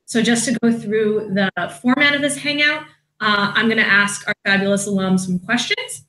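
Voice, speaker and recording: A woman's voice: mid-range voice, fairly even intonation, moderate pace, sharp tone, echoey room, poor audio. A woman hosting an online alumni hangout, friendly and upbeat, with many "um"s and "uh"s. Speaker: admissions marketing manager hosting an online hangout. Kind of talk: casual moderated video chat.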